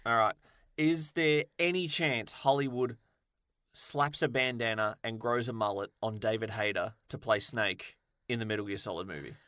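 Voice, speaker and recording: Man, podcast co-host, bright forceful voice, playful banter, medium pitch, casual questioning. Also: moderate pace, no echo, studio quality. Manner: jokey, playful.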